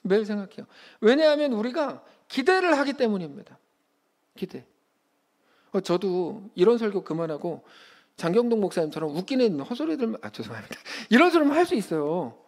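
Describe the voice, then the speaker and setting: A man in his thirties preaching a sermon as a pastor, in an animated, conversational way that acts out quotes. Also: high voice, moderate pace.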